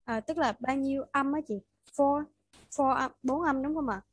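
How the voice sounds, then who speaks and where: A woman's voice: high voice, normal speed, no room sound, poor audio. A woman with a Vietnamese accent tutoring English pronunciation online, patiently modeling words and repeating them for her student.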